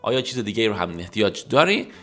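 A man teaching an English lesson, explaining quickly and then repeating English sentences slowly and carefully. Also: fairly low pitch, very animated. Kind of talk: language lesson. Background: soft guitar music.

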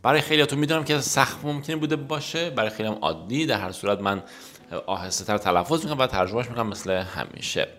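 A man teaching an English lesson, explaining quickly and then repeating English sentences slowly and carefully. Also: mid-range voice. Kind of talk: language lesson. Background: soft guitar music.

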